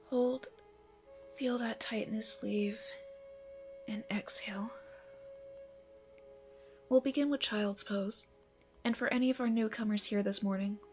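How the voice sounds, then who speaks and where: Actress as calm, encouraging female yoga teacher for ASMR roleplay; soft, near-whispered guidance, medium pitch, light music underneath. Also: lightly acted. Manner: soothing, breathy instructions, often softening toward a whisper. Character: gentle, encouraging female yoga instructor leading a morning class. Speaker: yoga instructor.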